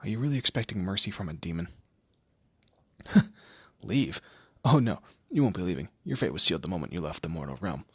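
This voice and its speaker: A man voicing a deep, smug demon lord. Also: animated, fairly quick, slightly rough, no echo, exaggerated voice. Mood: dismissive, menacing. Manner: theatrical, condescending, drawling, with amused asides. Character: smug, teasing male demon lord, proud torturer and bureaucrat. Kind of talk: scripted audio roleplay addressed to the listener.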